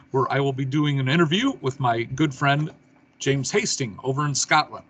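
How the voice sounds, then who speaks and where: Middle-aged male talk-show host, husky, easygoing. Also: mid-range voice, a bit bright. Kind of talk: hosting an online talk show.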